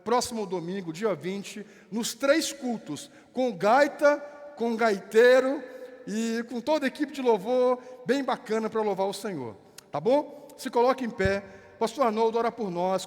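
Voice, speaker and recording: A man's voice: high voice, expressive. A man from southern Brazil with a gaúcho accent, a pastor leading prayer and giving notices in church. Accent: gaúcho Brazilian Portuguese. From Rio Grande do Sul, Brazil. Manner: fervent, drawn-out prayer lines, playful banter. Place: church sanctuary with worship music. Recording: reverberant hall with music behind.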